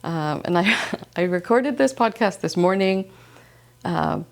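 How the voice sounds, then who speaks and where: A woman from Iceland hosts a slow-living podcast about knitting and sewing. She talks calmly and gently, with a voice at a middle pitch, moving from reflective, scripted thoughts to relaxed chat. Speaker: podcast host. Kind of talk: scripted reflective narration, then casual chat. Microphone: wireless transmitter mic.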